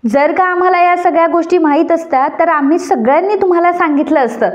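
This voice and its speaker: A woman's voice: very high voice, quick pace, voice pushed up. A woman voicing an earnest woman pleading that she knew nothing. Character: pleading woman swearing innocence.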